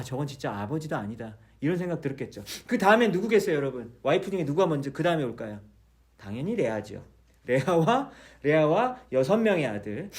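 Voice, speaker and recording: Animated man preaching a chatty sermon. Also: a little high. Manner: lively, keeps asking the congregation questions; acts out the quoted speech of the people in his story. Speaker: pastor. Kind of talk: conversational sermon.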